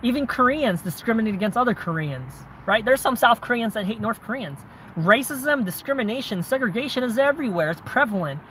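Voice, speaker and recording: A man's voice: very high voice, expressive, a little fast, bright, forceful tone, slight background noise, rough recording. A man with a Southern accent, a vlogger answering viewer questions in a casual, conversational way, often tagging his points with "right?" and "man.". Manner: conversational, frequent tag questions and "man", "bro". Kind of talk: casual chat.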